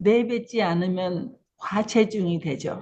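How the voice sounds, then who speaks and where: Somewhat breathy, this voice moves through ordinary pitch variation. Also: woman. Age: 60s. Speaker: church deacon. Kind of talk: testimony.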